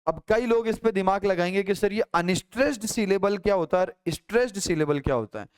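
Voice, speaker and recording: A man's voice: sits high, brisk, clean tone. A man teaching English poetry for an exam, explaining step by step and often checking that students follow, with Hindi-accented English. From Rajasthan, India. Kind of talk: classroom lecture.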